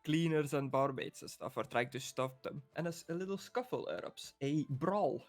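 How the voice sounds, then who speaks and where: A man's voice: a little high, moderate pace, no echo. A man running a tabletop game as game master, narrating casually with lots of fillers and laughs.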